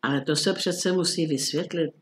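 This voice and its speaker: A man's voice: fairly high pitch, natural voice. A man reading as a jittery, insistent townsman. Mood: agitated. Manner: excited, trembling, insistent. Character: nervous, agitated middle-aged townsman.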